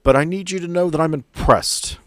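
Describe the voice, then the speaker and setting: A man playing a stern, measured female agency boss who speaks formally and deliberately in a tabletop game. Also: on the high side, fairly bright tone, no echo, studio quality, voice pushed up, close to an everyday voice. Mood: stern, measured approval. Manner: deliberate, emphatic, formal phrasing.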